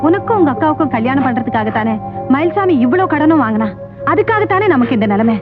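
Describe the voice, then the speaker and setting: A worried village mother who scolds her children in a high, quick voice. Heard through a thin, phone-like old soundtrack with faint music behind. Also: very animated. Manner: scolding and fussing. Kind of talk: 1980s film acting.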